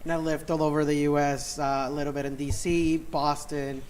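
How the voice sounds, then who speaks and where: A man's voice: fairly high pitch, flat delivery, normal speed, a little mellow. A man in his thirties from Puerto Rico, chatting as an interview guest and searching for his words. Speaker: interview guest, company co-founder. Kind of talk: casual interview chat.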